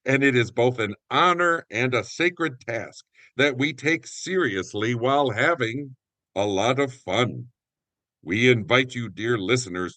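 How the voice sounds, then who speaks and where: A man's voice: medium pitch, pushed and bright, no room sound. A man speaking as a community theater actor and announcer, explaining things conversationally. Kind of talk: conversational guest interview and warm sign-off narration.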